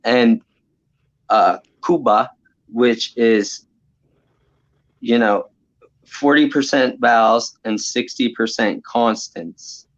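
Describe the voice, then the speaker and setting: A man speaking as a guest on a livestream, halting and rambling, with many fillers. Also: medium pitch. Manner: halting, rambling, many "I mean" and "you know". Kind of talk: casual chat. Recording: muffled lo-fi stream audio.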